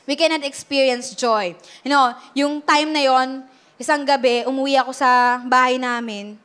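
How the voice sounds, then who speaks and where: A woman's voice: high voice, fairly even intonation, normal speed, fairly bright tone, clear, resonant tone. A Filipino woman pastor preaching a sermon earnestly, switching between Tagalog and English and checking in with the congregation.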